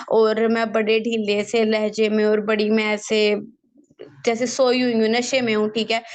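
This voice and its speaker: High-voiced woman coaching sales. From Pakistan. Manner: lively and coaxing, mixes in English phrases, keeps asking "theek hai". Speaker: sales trainer. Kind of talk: online training session. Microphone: video call.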